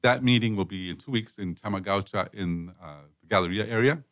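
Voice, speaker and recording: A man's voice: on the low side, a little fast, fairly bright tone, no room sound, studio quality. A man hosting a casual conversational podcast, chatty and emphatic, often repeating himself for effect. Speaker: host and business chamber leader.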